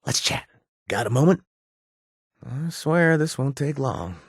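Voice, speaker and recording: A sly, affectionate wasteland rogue from a video game. His husky voice swings widely in pitch as he coaxes and teases in a hesitant, conversational drawl. The sound is dry and close. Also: expressive, a little slow, dry recording. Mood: friendly, teasing. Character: roguish flirtatious male wasteland companion, sly and affectionate. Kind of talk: video game companion dialogue.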